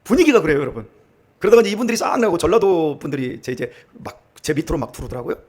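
High-pitched, lively middle-aged pastor preaching. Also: male voice, very fast. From Chungcheong region, Korea. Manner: animated, acts out dialects and laughs while telling stories. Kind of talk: sermon with humorous storytelling. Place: church sanctuary.

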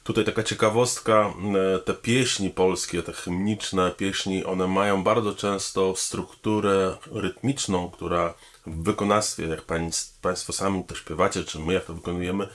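A man with a very low voice speaks slowly and thoughtfully in a promotional statement. He addresses his listeners politely and stops often on hesitation sounds while he finds his words. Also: fairly even intonation, fairly bright tone. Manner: measured and thoughtful, with frequent hesitation fillers; formal, polite address to the audience. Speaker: pianist, composer and arranger. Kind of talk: promotional talking-head statement.

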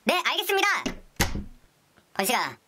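Performer acting a bright-voiced, cheeky young camp recruit. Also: sits high, wildly swooping pitch, normal speed, a little hiss or hum, exaggerated voice. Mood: nervous, deferential. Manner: stammering politeness to superiors, boastful with friend. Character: cocky, scheming young camp recruit, nervously deferential. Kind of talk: comedic skit role-play.

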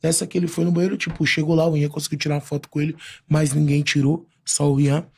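A man's voice: fairly high pitch, fast talker, vocal fry, slightly rough. A man, a podcast guest telling a story in casual chat, acting out what others said with plenty of slang. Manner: animated storyteller, acts out quoted voices with slang.

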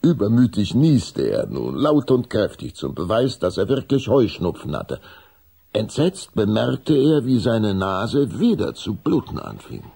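A man as a measured storybook narrator in a children's audio drama, reading a scripted story. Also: lowish voice, sing-song, vocal fry, mellow, slightly rough, exaggerated voice. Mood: narrating.

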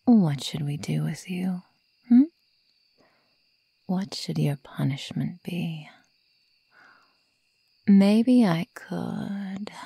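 A woman voicing a sadistic, predatory werewolf girl who taunts her prey in a breathy whisper, in an ASMR roleplay. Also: sits low, dark tone, no room sound, heavily acted. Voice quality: breathy, mostly whispered, creaky. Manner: slow, taunting, menacing.

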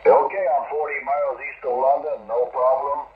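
A man making a halting, casual CB radio contact over a radio transmission. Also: medium pitch, steady tone, phone-quality sound. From Canada. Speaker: amateur radio operator. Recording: noisy shortwave radio transmission with static.

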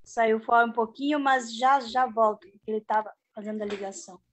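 A high-pitched middle-aged woman, speaking over a video call from her home. She rambles in a chatty, homespun way, restarting her sentences and tagging them with little checks. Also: steady tone, a little fast. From southern Brazil. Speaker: organic farmer. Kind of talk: casual video-call panel talk.

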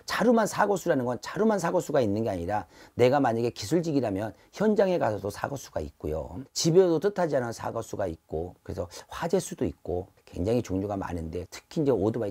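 A man's voice: mid-range voice, big pitch swings, quick pace, few pauses, warm tone, husky. A middle-aged man, a fortune teller, giving earnest, repetitive advice to camera from an indoor shrine room on a lapel mic. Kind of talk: fortune-telling talk to camera.

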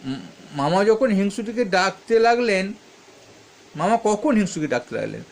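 A man's voice: sits high, very animated, normal speed, vocal fry. A man teaching, reading questions aloud and answering them step by step, stopping often to correct himself. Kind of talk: explaining textbook answers.

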